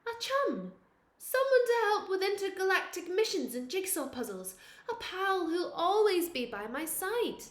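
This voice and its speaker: A woman reading the part of a lonely, earnest man from the moon in a children's storybook, wistful and drawn-out. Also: extremely high pitch, sing-song, echoey room, pitched above the performer's own voice, heavily acted. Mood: wistful, longing.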